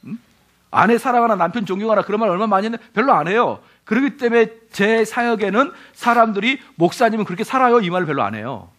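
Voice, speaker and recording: A middle-aged male pastor preaches a lecture-style sermon in a high-pitched voice, talking fast. He's animated, firing rhetorical questions at his listeners and acting out quoted voices.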